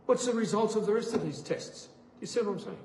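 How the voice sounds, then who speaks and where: A man giving a sermon testimony, an animated storyteller who acts out the voices in his stories. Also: high-pitched, quick pace. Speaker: preacher. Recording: echoey room with faint noise.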